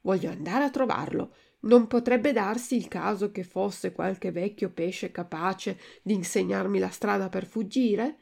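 A woman's voice: medium pitch, measured pace, creaky, few pauses, a little mellow. A woman voicing a frightened, stubborn wooden puppet boy who cries and shrieks for help in a storybook reading. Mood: eager.

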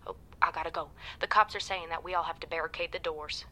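A woman's voice: low voice, fairly even intonation, fast, noisy background. A woman playing a rattled radio caller who rambles nervously over a phone line. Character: frightened woman caller amid monster attack.

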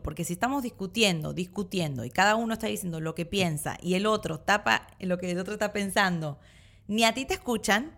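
A woman's voice: medium pitch, gravelly. Female co-host, mid-range voice, chatty and giggly storyteller. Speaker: co-host of a couples show. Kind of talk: casual chat.

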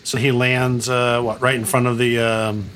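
Man, game master, bright, relaxed, faint noise behind. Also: medium pitch, unhurried. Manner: relaxed, filler-heavy narration. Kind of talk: narrating a tabletop game.

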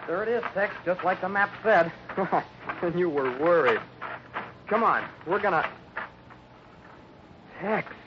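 A man's voice: high-pitched, slow pace, long pauses. A man playing an eager, cocky young prospector, coaxing a partner in an old-time radio western. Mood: excited. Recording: dull, noisy old radio recording.

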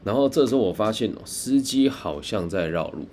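Taiwanese man, low voice, earnest first-person story narrator, faint ambience behind. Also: expressive, a little mellow, slight background noise. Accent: Taiwanese Mandarin. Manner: earnest, tense retelling with drawn-out particles.

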